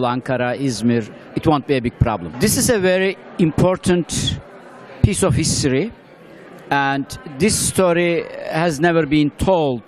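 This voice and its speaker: A man with a Turkish accent, a scholar giving a measured, halting interview with pauses and fillers. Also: fairly high pitch. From Turkey.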